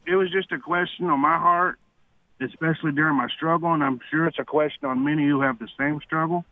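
Male radio caller, polite and halting, slightly high voice, thin phone audio. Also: steady tone, dry recording. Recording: tinny, narrow phone line.

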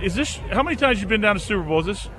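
A man's voice: sits high, animated, racing, a crowd in the background. A man from Los Angeles hosting a sports talk show, upbeat and chatty with his guests. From Los Angeles, USA. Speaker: sports radio host.

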